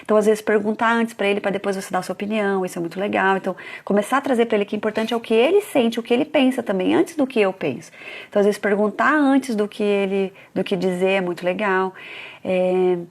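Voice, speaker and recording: With a gravelly, mid-range voice and quick pace, a woman in her thirties who educates on parenting speaks live about raising kids. Her talk is built on stories about her children, in which she acts out what everyone said.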